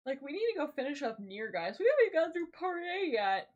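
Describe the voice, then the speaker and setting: A woman's voice: high-pitched, big pitch swings, fast, highs cut off. Sleepy, yawning woman co-host. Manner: sleepy, swears casually. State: tired, yawning. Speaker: stream co-host. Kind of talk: casual chat.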